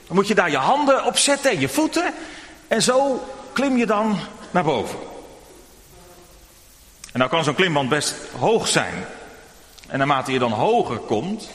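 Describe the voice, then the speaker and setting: A man preaching a children's sermon in church, telling a story gently and speaking directly to the children. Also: high voice. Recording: long church reverb.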